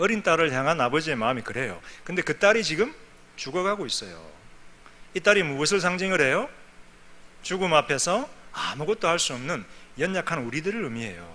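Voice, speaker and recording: Fairly high in pitch, a man talks at a fairly quick pace with lively intonation, broken by long, frequent pauses. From Gyeongsang Province, Korea. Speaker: guest preacher, professor. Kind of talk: sermon. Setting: church. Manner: conversational, asks audience questions.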